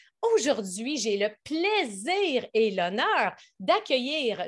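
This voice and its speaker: A woman with very wide pitch swings on a very clean recording with a silent background. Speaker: podcast host, business coach. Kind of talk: interview.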